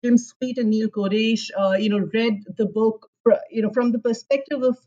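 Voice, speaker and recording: A middle-aged woman from India with an Indian accent answers an interview as an academic, articulate but often hedging and pausing over her phrasing. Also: fairly high pitch, fairly even intonation, warm tone, highs cut off. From Delhi, India. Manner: articulate, hesitant with many "you know" and "sort of". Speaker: historian, interview guest.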